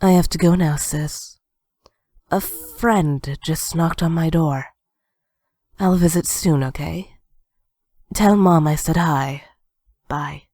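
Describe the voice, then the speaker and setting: A woman playing a cool, wry young ninja who is reluctantly friendly, in a low, mellow voice, in an amateur audio drama. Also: slow, pauses often, no echo, studio quality. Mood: casual, fond.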